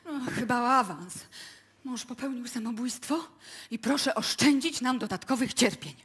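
An actress playing a proud, wounded, defensive widow in a radio drama, aggrieved and emphatic. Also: female voice, a little high, normal speed, fairly bright tone, breathy edge. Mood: indignant. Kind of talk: live radio drama acting.

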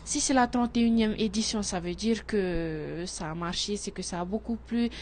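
A woman's voice: medium pitch, normal speed, a little mellow, slight background noise. A woman hosting a radio studio interview, asking follow-up questions. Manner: asks follow-up questions, short acknowledgements. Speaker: radio host.

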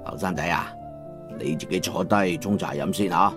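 A man voicing a calm elderly master craftsman in a Cantonese audiobook, speaking in a flat, unhurried, placid way with a Cantonese accent. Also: deep voice, over music, pitched below the performer's own voice, lightly acted. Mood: calm, measured. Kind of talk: audiobook character voice.

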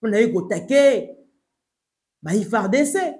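Young Congolese male commentator, high voice, urgent and emphatic, seated in a small room facing the camera. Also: expressive, unhurried, darkish tone. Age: young adult. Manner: emphatic, urgent, gesturing while addressing the camera. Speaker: news commentator. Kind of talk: mixed French and Lingala commentary. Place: small plain room indoors.

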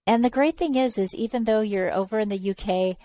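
A Californian woman in her forties hosts a podcast interview over a video call from a room at home, speaking enthusiastically and encouragingly into a headset mic. Her voice is medium-pitched and warm, and she talks briskly. There's no echo.

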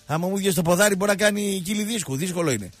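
A man with a slightly raised, husky voice hosts a radio sports comedy show. He rambles through mocking, jokey stories with faint music underneath. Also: sits high, no echo. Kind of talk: comic sports radio banter.

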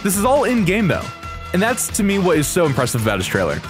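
A man hosting a reaction video, talking casually and excitedly with exaggerated enthusiasm and frequent swearing. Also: high-pitched, quick pace, over music. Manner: hyperbolic, casual, heavy swearing. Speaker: video host reacting to game trailers.

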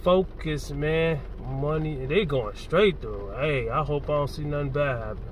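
A man's voice: fairly high pitch, measured pace. Man, driving vlog, mutters and complains, set back from the mic, heavy rain on the car. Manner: grumbling, talking to himself. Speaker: fitness vlogger. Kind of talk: casual driving commentary. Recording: distant phone mic with rain noise. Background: rain and traffic noise.

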